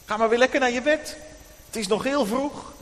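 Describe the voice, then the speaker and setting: A man voicing a sleepy mother who softly reassures her child, in a reverberant hall. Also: very high voice, moderate pace, pitched above the performer's own voice. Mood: soothing. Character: sleepy, soothing mother at dawn.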